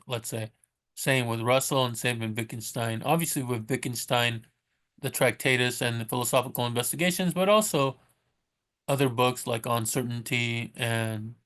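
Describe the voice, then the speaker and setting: A man with a mid-pitched voice speaks off the cuff, as in a casual vlog. His delivery is understated and halting, and he often restarts and corrects himself as he works through his thoughts. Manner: low-key, self-described monotone. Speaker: vlogger recommending books. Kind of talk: casual unscripted vlog talk.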